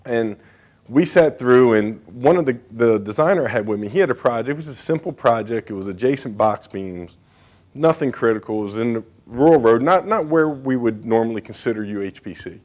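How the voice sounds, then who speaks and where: A man's voice: medium pitch, animated, brisk, darkish tone. Casual man giving a talk. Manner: casual, conversational, many fillers and asides. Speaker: state bridge engineer presenting. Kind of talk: conference presentation.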